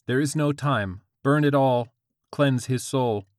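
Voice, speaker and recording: A man's voice: mid-range voice, takes it slowly, a little mellow, no echo, clean studio sound, voice pushed up, lightly acted. A man voicing a wrathful, imperious god who gives urgent, declamatory orders in a narrated story.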